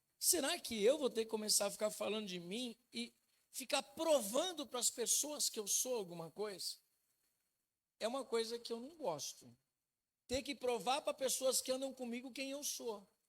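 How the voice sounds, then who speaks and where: A man speaks at a moderate pace in an extremely high voice, with ordinary pitch variation. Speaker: apostle preaching a sermon. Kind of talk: sermon.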